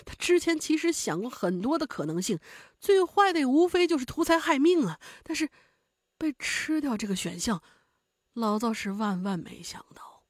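A woman's voice: high-pitched, big pitch swings, normal speed, no echo, clean studio sound. A woman narrating a spoken story, in a vivid and dramatic way.

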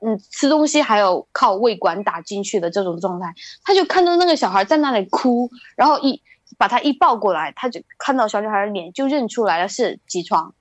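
A woman's voice: mid-range voice, expressive, brisk, no room sound. A woman casually telling a hospital ghost story in a rambling way, with many restarts and fillers. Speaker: guest storyteller.

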